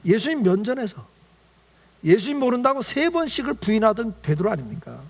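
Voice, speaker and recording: A man's voice: sits high, very animated, a little fast, vocal fry. A male pastor preaching a Sunday sermon in a church, asking the congregation rhetorical questions as he goes. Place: church sanctuary.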